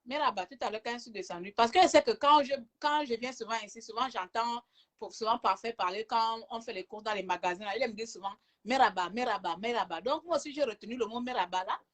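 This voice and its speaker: A chatty woman films a casual vlog from her hotel room, her voice sitting a little high. She teases and laughs easily as she talks straight to the camera. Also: quick pace. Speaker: travel vlogger.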